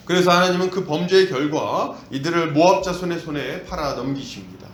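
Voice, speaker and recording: A male pastor delivers an expository sermon in an echoey church hall, animated and putting questions to the congregation. His voice is a little high, with a slight hiss or hum on the recording.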